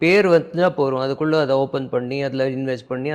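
Here is a man with a plain, everyday voice. His pitch varies an ordinary amount. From Mumbai, Matunga (Tamil community). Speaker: financial planning author and educator. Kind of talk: interview conversation.

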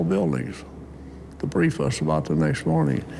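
A man is speaking. Light background noise sits behind him. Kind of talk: interview answer. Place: hall. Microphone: lapel.

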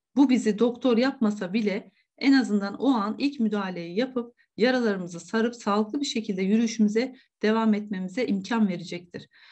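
A woman with a fairly high pitch and dark, mellow tone speaks at a fairly quick pace, somewhat breathy. Her pitch varies in an ordinary way against a quiet background. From Turkey, Ankara. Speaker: reiki and spiritual trainer; course instructor. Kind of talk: online lecture. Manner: halting, many filler sounds. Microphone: webcam.

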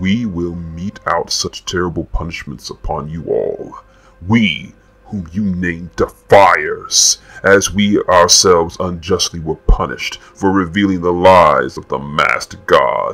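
A man's put-on character voice at a fairly slow pace, over faint music in the background. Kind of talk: villain monologue. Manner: proud, menacing, declamatory.

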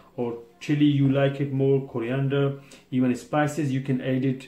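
Audible room echo surrounds a man talking at a moderate pace in a flat monotone. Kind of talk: tutorial. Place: kitchen.

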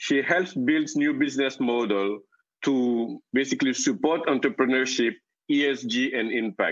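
Ordinary pitch variation and a moderate pace from a man, over a quiet background. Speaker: webinar host, moderator. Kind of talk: moderated webinar introduction. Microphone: video call.

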